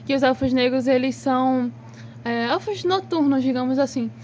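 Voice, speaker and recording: A Brazilian woman co-hosts a casual podcast, trading teasing quips and explanations. Her voice sits notably high. Faint noise runs underneath. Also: steady tone, moderate pace, darkish tone. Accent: Brazilian Portuguese. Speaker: podcast co-host. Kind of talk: casual chat.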